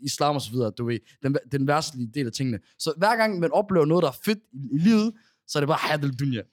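A man talking in a casual podcast chat, blunt and animated, laughing often. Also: on the high side.

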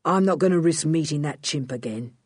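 A growling, grim crook of a man speaks low and hard, as a woman reader puts him on. The voice has a slightly husky edge and sits close and dry, with no room around it. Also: a little fast, dry recording. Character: gruff menacing male criminal.

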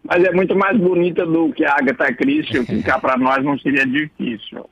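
Gravelly high-voiced male radio columnist. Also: expressive, fairly quick, fairly bright tone. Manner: digressive, chuckling, lecturing. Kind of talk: casual explanatory radio column. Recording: dull lo-fi radio broadcast.

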